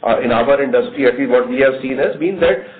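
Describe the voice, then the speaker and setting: Indian guy exec on a conference call, stop-start talking, phone sound w/ a bit of noise. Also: mid-range voice. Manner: halting, frequent stalls and repeats. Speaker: company executive answering analysts. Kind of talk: earnings call answers. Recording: tinny phone line, faint noise.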